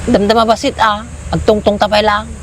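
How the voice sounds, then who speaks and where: A man in a comedy sketch, answering in a low, mumbling way. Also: flat delivery, fairly quick, background noise.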